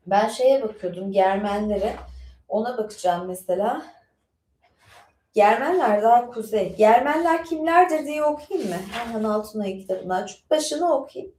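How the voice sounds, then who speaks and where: A woman's voice: high voice, a little mellow. Chatty woman with an echoey studio sound. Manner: chatty, digressive, many fillers. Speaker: streamer reading and chatting. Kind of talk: casual live-stream chat and reading aloud. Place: home studio with bookshelves.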